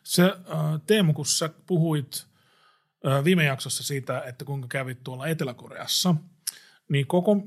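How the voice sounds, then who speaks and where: A man hosting a casual podcast, asking questions hesitantly with frequent "uh" fillers. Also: a little high. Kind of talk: casual chat.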